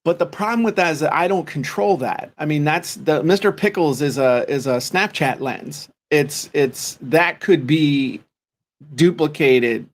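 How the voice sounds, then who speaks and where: A man's voice: fairly high pitch, a little slow. A man co-hosting a podcast in casual chat, rambling and joking with lots of restarts. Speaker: podcast co-host.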